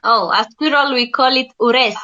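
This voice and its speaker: A woman's voice: fairly high pitch, moderate pace, pushed and bright. A woman chatting casually as a guest, giving short informal answers about words in her language. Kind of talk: casual chat. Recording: slightly dull lo-fi sound.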